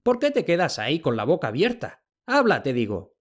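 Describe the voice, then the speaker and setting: A man voicing a proud Greek king who barks orders and blusters with quick anger. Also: a little high, wildly swooping pitch, voice pushed up. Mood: angry. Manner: commanding, blustering.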